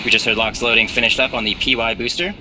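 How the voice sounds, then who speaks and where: A man's voice: medium pitch, steady tone, fast, bright, forceful tone, poor audio. A man giving live, explanatory commentary as host of a rocket launch webcast. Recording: clear background noise.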